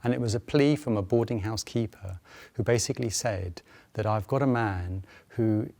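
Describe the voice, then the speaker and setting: A man's voice: fairly low pitch, moderate pace, gravelly, warm tone. A man explaining a research project in interview style.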